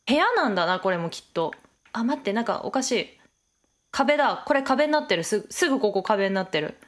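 A young woman giving Let's Play commentary, chatting to herself as she plays, often laughing and reacting with surprise. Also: sits high. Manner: chatty self-talk, frequent laughter and surprised exclamations. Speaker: game streamer.

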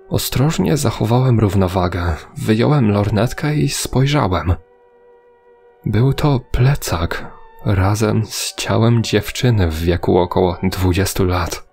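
A man's voice: on the low side, a little mellow. A man narrating a scripted first-person horror story.

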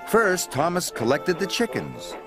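Expressive older American storybook narrator. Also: male voice, sits high, unhurried. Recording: narration with music underneath. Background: music.

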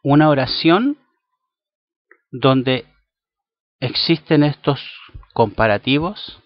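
A man whose first language is Spanish teaches an English grammar lesson, taking his time and drilling words aloud in a playful way. His voice has a middle pitch and sits in a dry room. The recording is dull and lo-fi. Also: animated, slow, dry recording.

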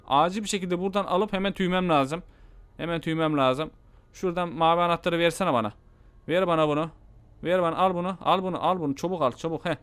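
A man with a Turkish accent doing casual let's-play commentary, excitable, repeating his own phrases and talking to viewers. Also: a little high, clean tone. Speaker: gaming YouTuber.

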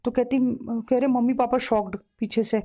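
A woman's voice: on the high side, steady tone, normal speed, mellow. A woman, a spiritual counselor, retelling a client's story at length in reported speech, with emotional repetition.

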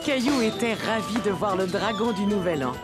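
A woman narrator reading a scripted children's story in an expressive storytelling way. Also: mid-range voice, moderate pace. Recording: music behind the voice.

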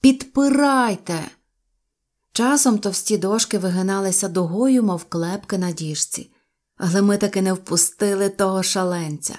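A woman narrating a children's story aloud with a lively, expressive reading. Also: medium pitch, normal speed. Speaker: audiobook narrator.

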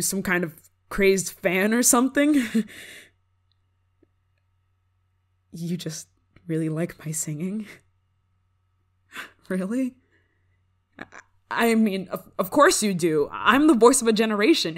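A woman playing a haughty young pop star who is prickly but secretly soft, in an ASMR roleplay, bragging and easily flustered. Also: medium pitch. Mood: flustered, softened. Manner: tsundere: bragging and dismissive, flustered stammering when touched. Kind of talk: ASMR roleplay acting, one-sided dialogue.

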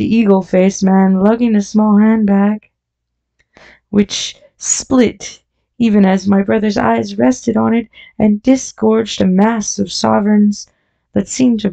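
Slow, gravelly woman narrator. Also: mid-range voice, dark tone. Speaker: audiobook narrator. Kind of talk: scripted narration. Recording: dull lo-fi audio.

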